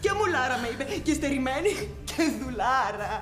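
A woman's voice: high voice, big pitch swings. An actress playing a young shop clerk who tells her troubles in a tearful, melodramatic way. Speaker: shop assistant. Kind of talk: television comedy acting. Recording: roomy set with music behind.

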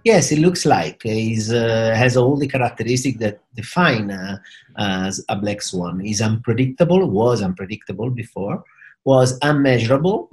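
A middle-aged man speaks English with an Italian accent at a medium pitch. He explains things like a professor, in a halting, searching delivery full of repeats and hesitations. He is talking to a computer webcam in a small home office. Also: animated, soft background music. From Italy. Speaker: professor of finance and risk management. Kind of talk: explanatory talk to camera.

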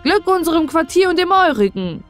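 A woman's voice: very high voice, very animated, fairly quick, pitched above the performer's own voice. A woman reads as a solemn young prince in a fairy tale, playing the wise astrologer. The speech is formal and declaimed, over music. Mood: proclaiming.

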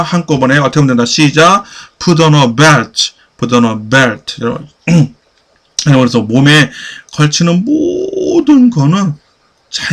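A man teaching a basic English class, repeating phrases slowly and pushing students to answer. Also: medium pitch, a bit bright. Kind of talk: classroom lecture.

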